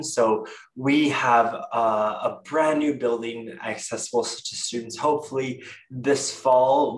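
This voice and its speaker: A young Canadian man giving a casual university info presentation over a video call. He often pauses with fillers and corrects himself. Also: medium pitch. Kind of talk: virtual info session presentation. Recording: echoey room, distant mic.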